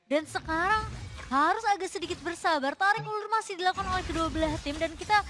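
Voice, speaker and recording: A woman's voice: very high-pitched, fast talker. A woman with an Indonesian accent commentating on an esports match as a caster.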